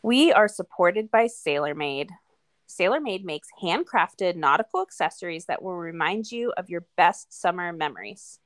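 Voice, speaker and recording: A woman's voice: lowish voice, lively intonation, normal speed, no echo. Woman podcast co-host, close dry sound. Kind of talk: casual chat and read sponsor spots.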